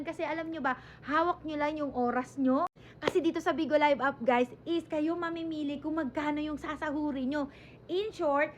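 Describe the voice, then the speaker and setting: A woman's voice: high voice, muffled recording, a little hiss or hum. A young woman, a family vlogger talking casually to her viewers, chatty and often laughing. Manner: chatty, laughing, coaxing the kids. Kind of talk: casual family vlog and direct-to-camera pitch.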